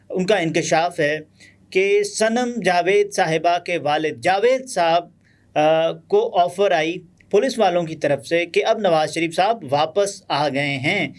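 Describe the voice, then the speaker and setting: Pakistani urdu guy, highish voice, chatty news commentary, lots of "uh" pauses. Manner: conversational, many pauses and fillers.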